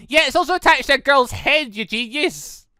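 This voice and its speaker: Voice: high-pitched, moderate pace, sharp tone, no room sound, studio quality, faint music behind, pitched above the performer's own voice. A game streamer voicing a brash rabbit-eared girl. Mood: flustered, indignant. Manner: sassy, blunt, exclamatory.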